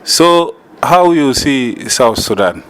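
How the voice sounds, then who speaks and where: Male interviewer, halting delivery. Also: mid-range voice, big pitch swings, a bit bright, clear, resonant tone. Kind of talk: on-location interview.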